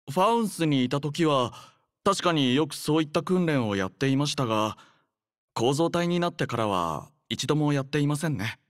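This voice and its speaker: A man voicing a courteous, earnest young android soldier in an anime game, speaking in a polite, formal, measured manner. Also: a little high, no room sound, clean studio sound. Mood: gentle, reserved. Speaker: game character voice. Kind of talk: scripted anime game voice lines.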